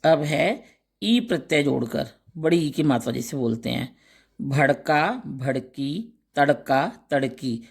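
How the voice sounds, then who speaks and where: A male teacher works through a grammar lesson, reading out word pairs one at a time. He speaks very slowly and deliberately, pausing after each word. His voice sits at an ordinary mid pitch. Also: gravelly, breathy edge. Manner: slow, deliberate recitation of word lists with brief explanations.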